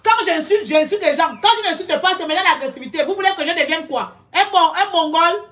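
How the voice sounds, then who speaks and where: Woman streamer, high-pitched, loud and combative, shouts at her viewers over a webcam. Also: fast. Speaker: live-stream commentator. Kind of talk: heated live-stream rant. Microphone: computer webcam.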